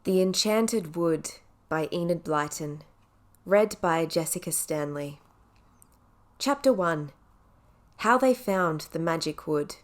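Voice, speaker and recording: A woman reading scripted audiobook narration as a professional narrator. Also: fairly low pitch.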